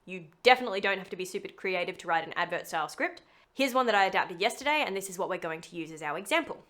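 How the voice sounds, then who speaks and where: A woman's voice: lowish voice, animated, racing, fairly bright tone. Chatty woman presenting a tutorial. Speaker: voice actor teaching how to make a demo reel. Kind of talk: scripted tutorial narration to camera.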